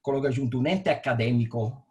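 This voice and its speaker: A man's voice: medium pitch, fairly quick, a little mellow. A man with an Italian accent, a telecom engineering director answering interview questions over a video call, often repeating words and restarting as he explains. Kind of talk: interview answers on a live stream.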